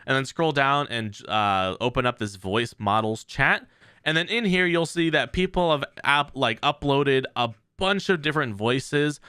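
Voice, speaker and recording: Man, tech tutorial host, informal, hesitant step-by-step delivery, lively pitch, crisp tone, unscripted. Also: unhurried, no room sound, clean studio sound. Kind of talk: casual unscripted software walkthrough.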